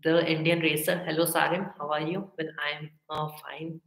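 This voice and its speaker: A teenage boy with a South Asian accent chatting casually and haltingly on a livestream, mixing English and Hindi as he answers viewers. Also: a little high, level tone, gravelly, a bit bright. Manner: halting, reading questions aloud. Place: indoor room with bare walls. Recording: echoey room, webcam-style livestream sound.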